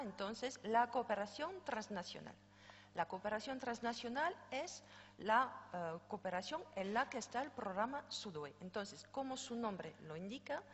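A middle-aged French woman speaks with a French accent, her voice a touch high as she walks through a presentation. She explains in a relaxed, chatty way, pausing on fillers and correcting herself. The sound is dull and carries long hall reverb over a faint hum. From France. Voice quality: hesitant fillers and self-corrections. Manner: explanatory, informal asides with light laughter and fillers. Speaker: head of a programme office, conference speaker. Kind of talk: conference presentation. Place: conference stage.

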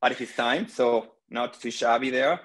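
A man from Argentina, a senior pro pickleball player, tells stories as a guest on a casual video call interview. He has a medium-pitched voice and is recorded by his laptop webcam in a small room at home. His delivery is relaxed, marked by many pauses, plenty of "um," and hand gestures.

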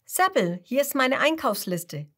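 A woman's voice: sits high, sing-song, measured pace, pushed and bright, pitched above the performer's own voice, full character voice. A woman doing a kind old grandma. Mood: asking. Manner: polite, asking. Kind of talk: storytelling for small children.

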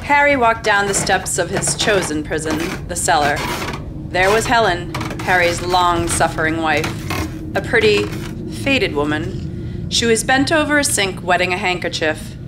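A woman with a fairly low voice narrates a scripted radio play. Her reading comes with clearly audible background noise. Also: lively intonation, measured pace. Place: theater stage. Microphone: stand microphone. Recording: noisy live stage recording.

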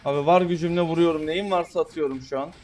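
A man commentating his own mobile game match, griping about his teammates with sudden excited outbursts. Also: on the high side, quick pace, faint music behind. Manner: exasperated, complaining about teammates. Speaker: gamer streamer. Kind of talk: live gameplay commentary.

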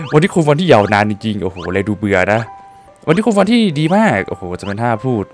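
Man, gaming commentary, animated pitch, laughs a lot, faint music behind. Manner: lively, laughs often, swears casually. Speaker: gaming streamer. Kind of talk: casual let's-play commentary, translating dialogue.

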